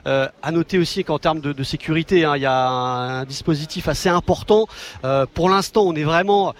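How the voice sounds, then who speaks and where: A man's voice: fairly high pitch, a little fast. A man reporting live for the news from outdoors on a city street, talking with many fillers and restarts. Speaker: field reporter.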